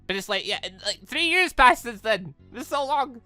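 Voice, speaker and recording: An animated gaming host chats casually through a playthrough. The voice is bright and forceful, with pitch that jumps around a lot. Sentences ramble and repeat, and the sound is close and dry with music behind it. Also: moderate pace, no room sound. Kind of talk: casual visual novel playthrough commentary.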